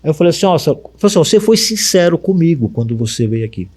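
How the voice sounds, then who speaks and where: A middle-aged radio announcer with a Brazilian Portuguese accent tells lively anecdotes in an interview, acting out the dialogue as he goes and using frequent tag questions. His voice is fairly high, rapid-fire and edged with breathiness.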